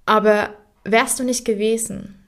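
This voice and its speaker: A young woman hosting a podcast, talking heartfelt and unscripted straight to her late grandfather, soft and reflective, at times dropping almost to a whisper. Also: on the high side, steady tone, measured pace. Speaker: podcast host. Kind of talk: unscripted personal monologue.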